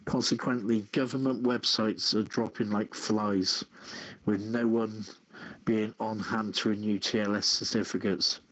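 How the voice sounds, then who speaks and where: A man hosting a live online radio show and reading out copy in a halting way, stumbling over his words. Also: fairly low pitch, steady tone, fairly bright tone, poor audio.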